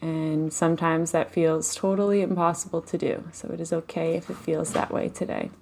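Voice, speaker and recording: A woman with a lowish, gentle voice leads a guided meditation. She talks slowly and softly, leaves long pauses between phrases, and breathes out in audible sighs. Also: creaky, a little hiss or hum. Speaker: meditation teacher. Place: home, live online session.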